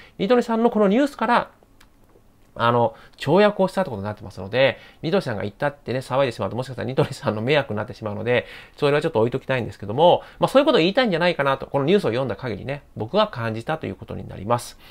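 A man talks at a very fast pace and fairly high pitch. His voice has very wide pitch swings and big swings in loudness. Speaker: investment YouTuber; investor commentator. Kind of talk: market commentary monologue. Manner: many filler sounds. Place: home room. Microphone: lapel.

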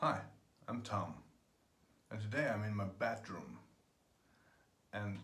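Ordinary pitch variation runs through this fairly slow delivery, with room echo you can hear. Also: man. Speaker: DIY vlogger. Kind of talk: casual vlog chat. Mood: upbeat, joking. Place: bathroom. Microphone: phone near.

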